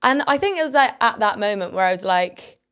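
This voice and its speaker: A young woman telling her story in a relaxed interview chat. She talks casually, laughs often and keeps the flow loose and conversational. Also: medium pitch, a little fast, clean tone. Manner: chatty, laughs often, many likes. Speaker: singer guest.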